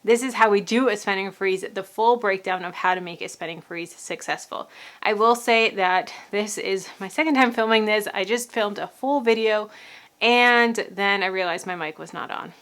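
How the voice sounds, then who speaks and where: A woman's voice: medium pitch, normal speed, fairly bright tone. A young adult woman giving casual, upbeat money-saving advice to camera, chatty and repetitive, slightly out of breath from pregnancy. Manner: upbeat, chatty, repeats key phrases. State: pregnant, may sound out of breath. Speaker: personal finance vlogger.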